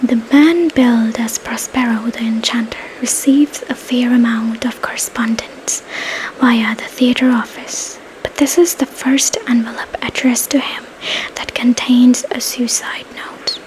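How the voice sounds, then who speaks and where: A woman whispering at a fairly slow pace, with noticeable background noise. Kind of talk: ASMR book reading, fiction narration. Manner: soft-spoken.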